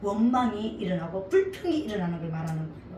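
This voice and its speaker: A woman with a Gyeongsang accent speaks with very wide pitch swings, amid noticeable background noise and audible room echo. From Gyeongsang region, South Korea. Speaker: pastor. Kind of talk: sermon.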